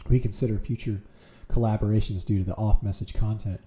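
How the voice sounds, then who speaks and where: A man's voice: lowish voice, steady tone, brisk, mellow. A man streaming from home, reading aloud with amused reactions, with keyboard clicks nearby. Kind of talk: casual streaming commentary.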